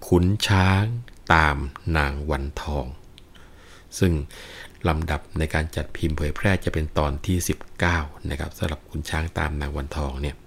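A man reciting classical narrative verse in a melodic, drawn-out chant, stopping now and then to explain the story in plain speech. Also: extremely low pitch, fairly even intonation, creaky, a bit bright, husky. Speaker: reciter and teacher of classical poetry.

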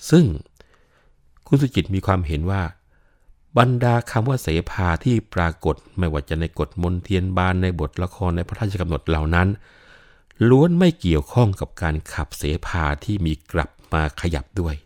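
A man's voice: sits low, big pitch swings, normal speed, a little mellow. An older man giving a patient explanatory talk on classical literature, often adding polite particles. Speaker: lecturer on Thai classical literature.

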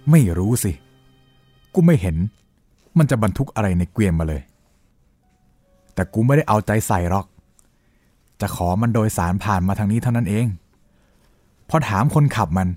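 Man doing a coarse village yarn-spinner, blunt and swearing, lively swinging voice, low-ish, faint music behind. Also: no room sound. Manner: lively storytelling, rising and falling. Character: rough-talking village man telling a ghost encounter. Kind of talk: Thai audio-drama storytelling.

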